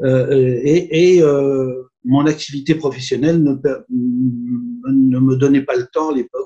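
This man has a fairly high pitch and a dark, mellow tone, and he sounds somewhat breathy. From northern France (Haute-Normandie, Gisors). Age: 70s. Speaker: retired business owner, online seller. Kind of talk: interview. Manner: halting, many repetitions and hesitations.

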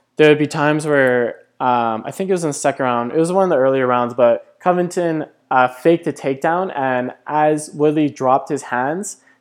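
A man with an unremarkable speaking voice talks fairly quickly at a fairly high pitch. His pitch varies in an ordinary way over a quiet background. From Canada. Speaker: MMA podcast host. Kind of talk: solo casual commentary. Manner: casual, filler-heavy.

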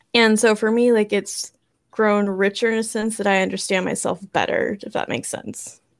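A woman with an American accent speaks at a moderate pace in a fairly high pitch and monotone, flat intonation, on a very clean recording with a silent background. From Texas. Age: 30s. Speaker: photographer and visual artist. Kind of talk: casual chat.

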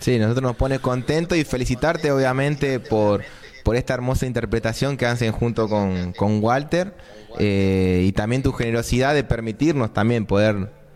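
A man with an ordinary speaking voice, medium pitch, ordinary pitch variation, moderate pace and very even loudness. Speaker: radio co-host. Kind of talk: casual radio chat.

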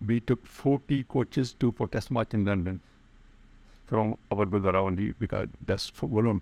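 In a Punjabi accent, a man talks at a moderate pace with a fairly low pitch and ordinary pitch variation. His loudness stays very even, and the sound is dry and close with no echo. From Punjab, India. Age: 70s. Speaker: retired bus driver, Sikh community figure. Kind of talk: interview, storytelling. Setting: in person, studio.

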